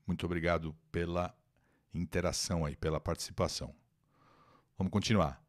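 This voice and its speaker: A man's voice: sits low, steady tone, brisk. A man teaching English to Brazilians on a live stream, with a Brazilian Portuguese accent, reading an article and translating it, repeating words and greeting the chat.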